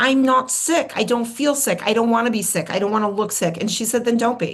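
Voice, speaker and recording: Here is an unremarkable speaking voice from a woman. She talks at a fairly high pitch and a fairly quick pace. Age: 50s. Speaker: chiropractor. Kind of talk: interview.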